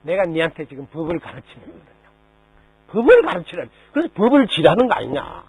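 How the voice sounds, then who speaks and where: A male Buddhist monk gives a lively dharma talk, posing rhetorical questions. His voice is slightly husky and sits high. It sounds dry and close. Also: fast, dry recording, rough recording. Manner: lively storytelling, rhetorical questions, mimics people in quotes. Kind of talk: dharma talk to a lay audience.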